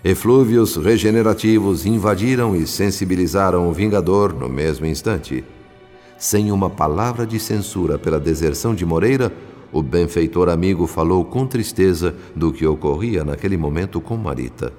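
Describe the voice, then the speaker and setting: A man narrating a radio drama in the role of a solemn spirit witness, in measured, literary phrasing. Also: sits low, a little mellow, natural voice. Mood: solemn, tender. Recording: long hall reverb, faint music behind.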